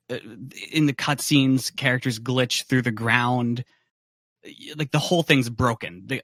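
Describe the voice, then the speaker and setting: A man's voice: mid-range voice, a bit bright, no echo, studio quality. A man talking casually on a podcast, making his points in a matter-of-fact way. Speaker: podcast panelist.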